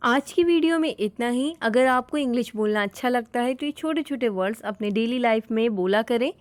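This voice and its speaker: A woman teaches everyday English phrases and explains each one patiently. Her voice sits a little high, and she repeats every phrase slowly. The close recording is dry, with almost no room sound. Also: dry recording. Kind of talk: spoken English lesson.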